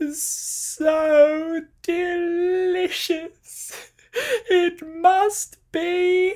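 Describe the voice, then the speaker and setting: A female-sounding, put-on character voice speaks at an extremely high pitch with monotone, flat intonation. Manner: weeping.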